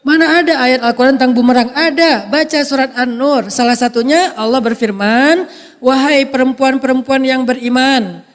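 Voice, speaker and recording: A man giving a humorous sermon, acting out little scenes with a soft voice that people often take for a woman's. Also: extremely high pitch, in a large hall. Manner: playful, acts out little scenes. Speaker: preacher.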